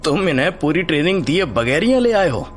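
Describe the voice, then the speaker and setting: An actor playing a bold, confident vampire fighter in a horror audio drama. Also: male voice, fairly high pitch, very animated, brisk. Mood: taunting. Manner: defiant, confident. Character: bold, defiant young male vampire fighter. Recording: loud music over the voice.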